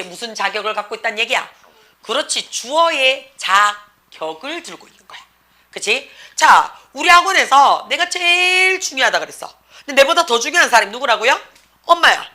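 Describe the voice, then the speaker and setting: A woman's voice: fairly high pitch, very animated, moderate pace, pushed and bright. A woman in her forties with a Gyeongsang Korean accent, teaching an English class in a chatty, teasing way and checking in with the students constantly. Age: 40s. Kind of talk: classroom lecture.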